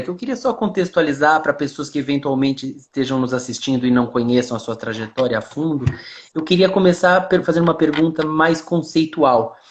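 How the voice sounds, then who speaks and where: A man from Brazil hosts an interview over a video call. His voice sits a little high for a man, and he builds long, polite questions with elaborate phrasing. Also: a little hiss or hum. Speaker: host, interviewer. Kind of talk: interview conversation.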